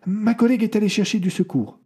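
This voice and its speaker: A man's voice: high-pitched, fast, warm tone, breathy edge, pitched above the performer's own voice. A man voicing a curt, commanding young woman working as a care aide. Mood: urgent. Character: brisk, haughty young female care aide.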